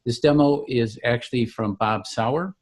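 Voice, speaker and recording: A man with a mid-pitched voice walks through a product demonstration conversationally. He explains each point with enthusiasm, like a founder showing off his own work. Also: measured pace.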